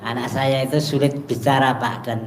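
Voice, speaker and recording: A man's voice: mid-range voice, fairly even intonation, a little fast. An older man in the audience asking the host for advice, politely giving short replies. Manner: polite, brief replies, opens with Islamic greetings. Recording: echoey room with faint ambience.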